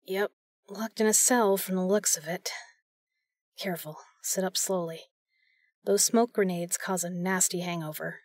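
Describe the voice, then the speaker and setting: A tough female secret agent played by a woman in an audio drama, protective and grim. Her voice is on the low side and very dry in sound, and she talks bluntly. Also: fairly even intonation, unhurried, darkish tone, dry recording. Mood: grim, wary. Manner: blunt, matter-of-fact.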